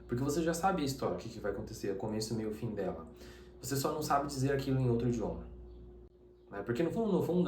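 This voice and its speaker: A man who grew up in Taiwan, with Mandarin as his first language, teaches a relaxed lesson to camera. He talks conversationally and keeps checking in with his listener. His voice sits at a mid pitch, and the room around him is echoey with a faint hiss underneath. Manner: conversational, uses many tag questions. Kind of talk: casual spoken lesson to camera.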